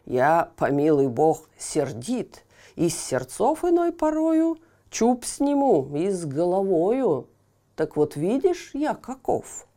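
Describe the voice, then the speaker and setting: A woman voicing an angry, bearded old tsar in a storybook tale, speaking loud, gruff and slow. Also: fairly low pitch, big pitch swings. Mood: angry blustering.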